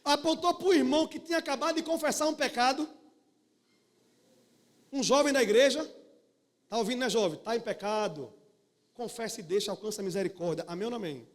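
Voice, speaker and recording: A male pastor preaching a live sermon in a church, telling stories and calling out to the congregation in a folksy, animated way. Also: very high-pitched, fairly quick, long pauses.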